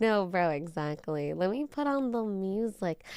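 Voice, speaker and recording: A quiet woman's voice, dark and mellow in tone, with lively intonation and a fairly slow pace. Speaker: VTuber streamer. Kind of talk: live stream chat. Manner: talking in an altered, quieter way.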